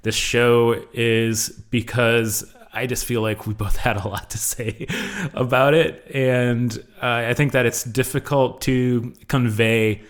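A man's voice: mid-range voice, steady tone, slow, hardly any pauses. A man hosting a casual podcast chat, talking with many fillers and restarts. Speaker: podcast host. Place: Texas.

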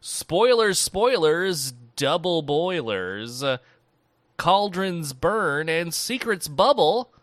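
Guy doing a witch voice, slow loud chanty spell, dry close sound. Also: fairly high pitch, sing-song, dry recording, voice pushed up, exaggerated voice. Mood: chanting. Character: theatrical chanting female spoiler witch.

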